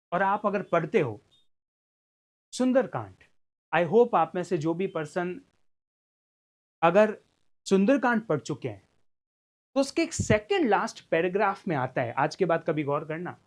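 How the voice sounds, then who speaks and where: A male law teacher lecturing at an unhurried pace, his pitch rising and falling in a lively way. He keeps the tone conversational, poses rhetorical questions to the class, and slips English legal terms into his explanations. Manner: mixes English legal terms into Hindi speech. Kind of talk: recorded exam-prep lecture.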